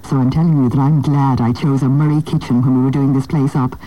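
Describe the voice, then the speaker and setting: Mellow, chatty Irish housewife. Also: female voice, a bass voice, fairly even intonation, quick pace, poor audio. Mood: chatty, satisfied. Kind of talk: conversational testimonial radio advert.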